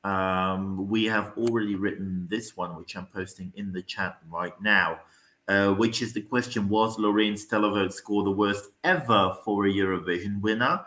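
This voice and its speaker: A man's voice: on the low side, normal speed, a bit bright, roomy sound. A man from the Netherlands with a Dutch accent, co-hosting a livestream over a video call, upbeat and talking straight to viewers. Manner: upbeat, rambling, addresses viewers directly. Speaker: co-host of a livestream. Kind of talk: casual livestream chat.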